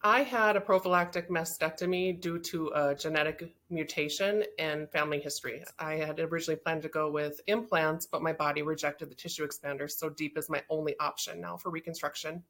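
Deep-voiced woman in her forties. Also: steady tone, fairly quick, hardly any pauses, a bit bright. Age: 40s. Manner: plain and matter-of-fact. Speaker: patient interviewee. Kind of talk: interview testimony.

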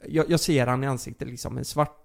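A man's voice: medium pitch, steady tone, gravelly. A young man telling a personal story in a casual chat, rambling with lots of fillers and restarts.

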